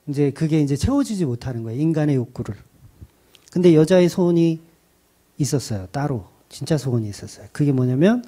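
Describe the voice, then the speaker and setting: A male pastor giving a sermon, retelling a film in an animated, conversational way. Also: fairly high pitch, husky.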